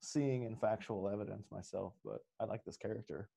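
A man's voice: fairly low pitch, fairly quick, creaky, mellow, husky. A man chatting casually and comically as a podcast guest, rambling loosely and swearing now and then. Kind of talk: casual comedic chat.

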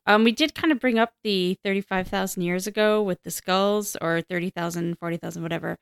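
A woman's voice: mid-range voice, fairly quick, vocal fry, smooth, no room sound, clean studio sound. A woman hosting a podcast, steering an informal conversation. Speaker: podcast host. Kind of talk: casual hosting chat.

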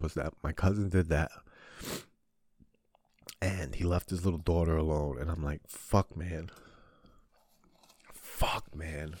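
A man hosting a podcast, crying as he opens up in a halting monologue, swearing often and restarting his sentences. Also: sits low, a little mellow, no echo. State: crying, sniffling. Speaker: podcast host. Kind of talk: emotional confessional monologue.

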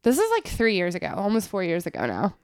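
Chatty New woman with a smooth voice. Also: mid-range voice, wildly swooping pitch, fast, darkish tone, dry recording, studio quality. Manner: chatty storyteller, heavy use of "like", swears casually. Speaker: podcast co-host. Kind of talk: casual chat. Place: apartment in Brooklyn.

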